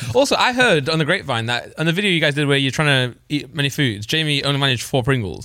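A man with an English accent talks very fast at a fairly high pitch, with hardly any pauses and very even loudness. His tone is bright and sharp, on a very clean recording with a silent background. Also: ordinary pitch variation. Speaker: podcast co-host. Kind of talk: casual chat.

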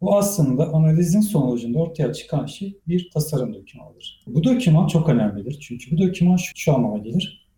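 Using an unremarkable speaking voice, a man talks at a fairly quick pace with a fairly high pitch and lively intonation. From Turkey, Diyarbakır. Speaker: software engineer. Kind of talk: interview.

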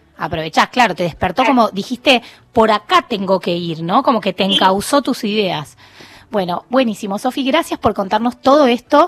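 A woman with a normal speaking voice talks at a fairly quick pace and fairly high pitch. Her intonation is lively, and the sound is dry and close with no echo. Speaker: radio host. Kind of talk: casual chat.

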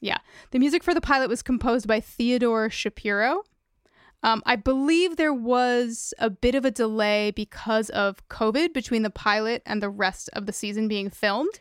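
A woman with a plain, everyday voice and an American accent, fairly high in pitch with ordinary pitch variation, on a very clean recording with a silent background and a dry, close sound with no echo. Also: moderate pace. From New Jersey. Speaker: podcast co-host. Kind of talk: casual chat.

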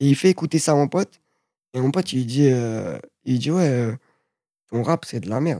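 Speaking at a medium pitch with a dark, mellow tone and ordinary pitch variation, a man leaves long, frequent pauses, heard dry and close with no echo against a quiet background. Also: moderate pace. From Paris banlieue (20e, then Val-d'Oise). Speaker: street reporter and influencer. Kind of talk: casual interview chat.

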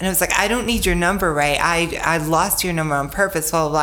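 A woman speaks at a fairly low pitch. Noticeable background noise can be heard. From Nashville, Tennessee. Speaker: drag performer. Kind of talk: casual chat. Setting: studio.

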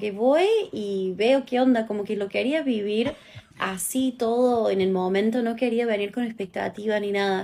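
Against noticeable background noise, a woman with a fairly high pitch speaks in a strong Córdoba Argentine accent. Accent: Córdoba (Argentina) Spanish accent, strong. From US, Denver, Colorado. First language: English (speaking Spanish). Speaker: American living in Argentina, viral TikTok user. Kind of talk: casual interview.

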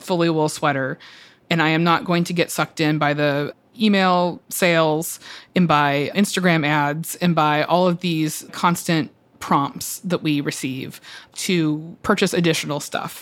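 In a very clean recording with a silent background, a woman with an American accent and an ordinary speaking voice talks at a fairly slow pace, her fairly low voice keeping fairly even intonation. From US South, Atlanta. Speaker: magazine staff writer. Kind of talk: interview.

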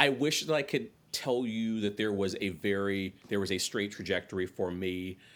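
Fairly low in pitch with ordinary pitch variation, a man with an American accent and an ordinary speaking voice is heard on a very clean recording with a silent background. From North Carolina. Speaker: Broadway performer. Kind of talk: interview.

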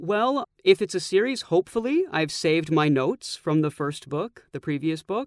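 A man with an American accent speaks at a high pitch, recorded dry and close with no echo. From Texas, Austin. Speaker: audiobook narrator. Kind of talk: interview.

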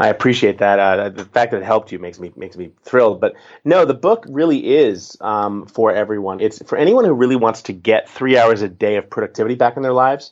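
A man with an American accent talks very fast, with ordinary pitch variation. His loudness rises and falls sharply. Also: medium pitch for a man. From US. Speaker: entrepreneur and author. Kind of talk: interview.

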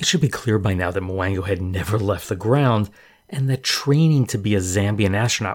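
The clip is plain reading aloud. It is delivered as plain reading aloud.

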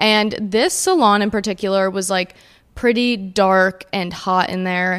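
A woman with an American accent speaks in a plain, everyday voice at a fairly slow pace. Her pitch is medium, with ordinary pitch variation. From New Jersey. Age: 20s. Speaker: podcast host. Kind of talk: casual personal monologue.

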